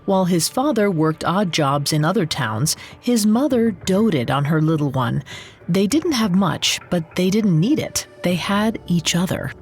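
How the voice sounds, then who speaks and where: A woman co-hosting a podcast, telling scripted true-crime stories in an expressive storytelling manner. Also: on the low side, a little slow, breathy edge, faint music behind. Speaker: podcast co-host.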